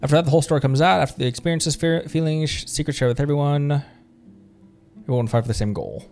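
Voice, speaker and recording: This game streamer talks fast in a fairly high, creaky voice with a darkish tone, game music running behind him. He chats loosely and reads dialogue in a playful way, adding silly noises and tripping over lines.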